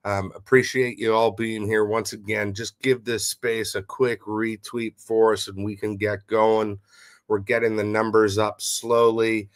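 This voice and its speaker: Male livestream host, slightly low, congested and nasal from a cold, upbeat and chatty. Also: little pitch movement, measured pace. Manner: upbeat, shout-outs to listeners. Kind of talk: casual livestream chat.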